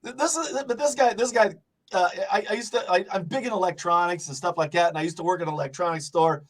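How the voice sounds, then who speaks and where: A man's voice: high voice, fast. A man hosting a casual interview, joking, swearing freely and laughing often. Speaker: host.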